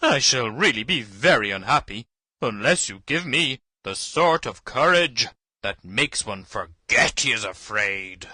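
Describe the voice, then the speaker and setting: A man plays a big cowardly storybook lion who frets and worries. He speaks slowly in a bright, tense voice that rises and falls widely. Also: medium pitch, expressive, no room sound, full character voice. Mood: anxious. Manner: anxious, fretful. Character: big timid male lion, anxious. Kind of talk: dramatized audiobook reading.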